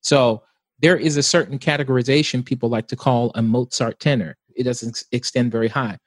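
Earnest tenor talking in a dry room. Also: male voice, medium pitch, fairly even intonation, brisk, dry recording. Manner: thoughtful, earnest explaining. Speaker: opera tenor, guest. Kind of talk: interview answers.

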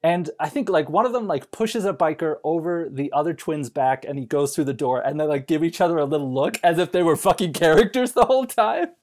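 A woman's voice: sits low, fairly quick, hardly any pauses, darkish tone. A woman in casual comedic podcast banter about a film, giggly, sweary and mock-indignant, restarting her phrases as she goes. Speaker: podcast speaker discussing a film.

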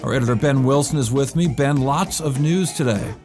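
A man hosting a business news podcast, explaining stock and economic stories briskly with occasional fillers. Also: mid-range voice, music in the background. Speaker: podcast host.

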